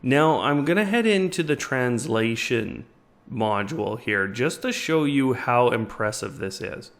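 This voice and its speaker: A man's voice: mid-range voice, lively intonation, unhurried, a bit bright. A man hosting a tech tutorial, explaining a product setup step by step in a casual way. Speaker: tech reviewer and tutorial host. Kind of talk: step-by-step product demo narration.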